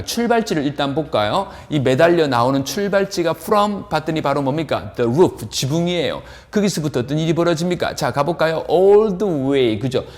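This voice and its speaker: A man teaching an English lesson, asking his students questions and answering them himself, drawing out the English words slowly as he models them. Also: on the high side. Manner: animated, asks and answers his own questions. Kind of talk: lively classroom-style lesson.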